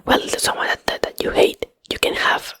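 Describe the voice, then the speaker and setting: Female ASMR host, Spanish accent, native Spanish speaker. Breathy whisper, dry and close-miked, hesitant casual rambling. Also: normal speed, a bit bright, no echo. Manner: hesitant, rambling, searching for English words. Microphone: close microphone.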